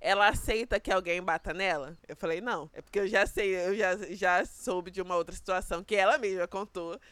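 A woman, chatting casually and telling a story in an animated way. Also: medium pitch, brisk, clean tone, no room sound. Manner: animated storyteller, acts out quoted dialogue. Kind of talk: casual chat.

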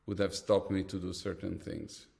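A man from Italy speaks as a guest in a casual interview, candid and ready to mock himself. His voice sits on the low side, and he drops casual swear words. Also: little pitch movement, normal speed, creaky, darkish tone. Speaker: guest, designer.

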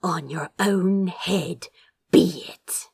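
A woman's voice: fairly low pitch, extremely slow, darkish tone, no echo, pitched below the performer's own voice, full character voice. A woman plays a venomous sorceress lord from a fantasy story. She wheezes and hisses her words with bitter defiance, and the sound is dry with no room around it. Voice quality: breathy, wheezing, hissing.

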